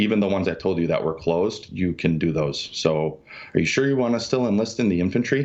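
This speaker talks at a very fast pace with an American accent and lively intonation. The loudness stays very even throughout. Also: man, fairly low pitch for a man. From Milwaukee, Wisconsin. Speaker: suspended FBI agent and whistleblower. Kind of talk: interview.

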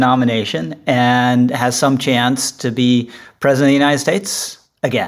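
Speaking at a moderate pace with a medium pitch, a man has an ordinary speaking voice in a very clean recording with a silent background. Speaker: podcast host. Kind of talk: casual panel discussion.

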